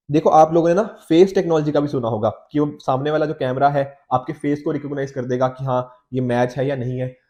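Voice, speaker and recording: Indian man, mellow voice, slight cold, teacher, conversational explaining, frequent check-in tags. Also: medium pitch, dull audio. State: slight cold, sore throat. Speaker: teacher, exam coach. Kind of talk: explanatory lecture on newspaper editorials, Hindi mixed with English.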